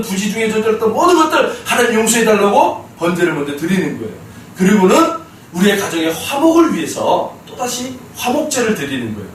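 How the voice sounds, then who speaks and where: A male pastor preaching a sermon in an animated storytelling way, often addressing the congregation. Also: high voice, slight background noise. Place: church sanctuary. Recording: very echoey church hall, mic far off.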